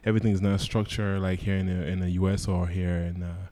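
A man hosting a casual interview podcast, talking in a relaxed way and dropping little words. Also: sits low, quick pace. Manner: relaxed, drops verbs in casual speech. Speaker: podcast host.

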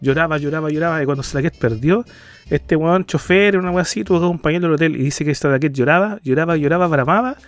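A man's voice: fairly high pitch, soft background music. A Chilean man co-hosting a casual comedy podcast, slangy and mocking. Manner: rapid, slangy, mocking impressions. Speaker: podcast co-host.

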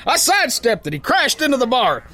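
An actor playing a boastful, dim but good-hearted brawling sailor in a pulp radio drama, with folksy slang. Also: male voice, extremely high pitch, huge pitch swings, fairly quick, noisy background, heavily acted. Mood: wry storytelling. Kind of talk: first-person pulp radio drama narration and dialogue.

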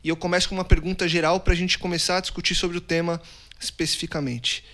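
A man's voice: high-pitched, level tone, bright, forceful tone. Upbeat male podcast host. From São Paulo, Brazil. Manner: friendly, teasing introductions, fast bursts.

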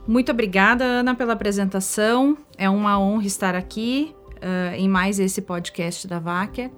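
Brazilian woman guest, polite, mid-pitched. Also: normal speed, soft background music. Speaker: guest, technical manager. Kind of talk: polite podcast guest greeting.

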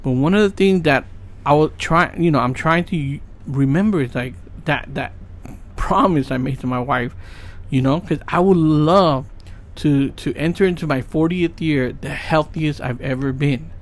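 A man's voice: fairly high pitch, normal speed. A man in his late thirties talking casually and earnestly about his goals, rambling with many fillers and asking "right?" often. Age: 30s. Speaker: podcast host. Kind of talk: casual motivational monologue.

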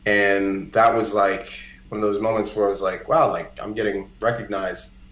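Low-voiced Costa Rican-born man, roomy sound. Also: little pitch movement, normal speed, fairly bright tone. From Costa Rica. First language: Spanish. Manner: conversational, peppered with "like" and "you know". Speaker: podcast guest, singer-songwriter. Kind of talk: casual chat, personal storytelling. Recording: roomy, echoey indoor sound.

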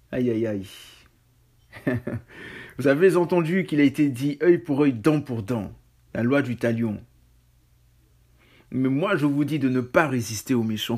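A man's voice: medium pitch, darkish tone, slightly rough. A man preaching a casual sermon on scripture, talking conversationally with self-mocking asides and stammered restarts.

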